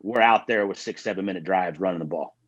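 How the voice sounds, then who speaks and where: A man appearing as a podcast guest, talking about his team with excited, fan-style enthusiasm. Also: deep voice, fast, muffled recording. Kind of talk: casual podcast banter.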